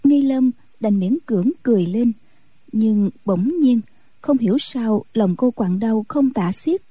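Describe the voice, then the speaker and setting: A woman narrates a storybook in a steady, even-paced reading voice. Her tone is very dark and mellow with a husky grain, and her pitch sits slightly high. The recording is dry and close. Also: measured pace, no echo, rough recording. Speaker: audiobook narrator.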